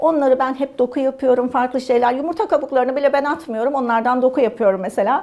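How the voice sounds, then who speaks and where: A woman at a very fast pace, high in pitch with ordinary pitch variation, amid noticeable background noise. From Turkey, Isparta. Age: 50s. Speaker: artisan painter and brand founder. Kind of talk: interview.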